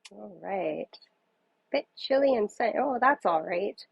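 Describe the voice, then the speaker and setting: A woman's voice: medium pitch, expressive, a little slow, gravelly, lo-fi sound, slight background noise. A woman with a cold and a nasal voice, chatting casually on a papercrafting livestream and greeting viewers by name. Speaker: papercrafting demonstrator. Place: home craft table.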